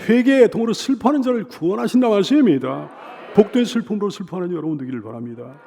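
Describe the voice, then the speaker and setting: A middle-aged male pastor preaching a sermon, swinging from loud emphatic cries to soft hushed lines, with repeated pleading phrases. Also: sits high, lively intonation, quick pace, gravelly, a little hiss or hum. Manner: leads the congregation in call-and-repeat.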